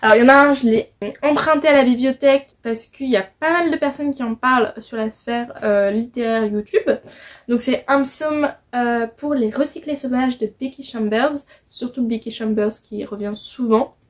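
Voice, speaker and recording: A woman's voice: on the high side, moderate pace. A young woman from France chatting casually about her reading list as a book vlogger, with many hesitations and restarts. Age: young adult. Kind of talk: casual book haul chat.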